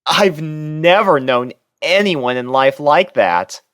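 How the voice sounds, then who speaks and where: A smooth male voice , put on by a narrator, plays a bashful young student in a romantic audio drama. He is earnest and halting, searching sincerely for his words. The sound is dry and close. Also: fairly high pitch, expressive, fairly bright tone, no echo, voice pushed up. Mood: hesitant, sincere. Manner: hesitant, sincere. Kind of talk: fan fiction audio drama dialogue.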